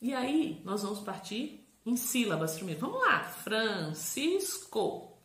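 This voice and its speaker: Speaking at normal speed, a psychopedagogue delivers a lesson for an educational explainer video in a lively, higher voice. Like a patient teacher, she draws out syllables and spells words letter by letter, while a roomy echo surrounds her.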